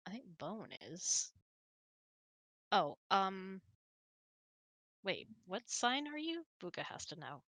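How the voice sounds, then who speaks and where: Bright-voiced, chatty woman in casual conversation. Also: medium pitch, slow pace, long pauses, no echo. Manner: giggly, chatty, animated storytelling. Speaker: host of a couple's online hangout. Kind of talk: casual chat, answering questions and telling anecdotes.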